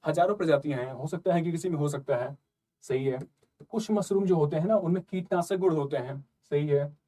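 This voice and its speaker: A man's voice: on the high side, dark tone. A man explaining exam questions in a casual, conversational lesson, often checking in with his listeners. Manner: conversational, repeats "ठीक है" and "ना" often. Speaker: exam prep tutor.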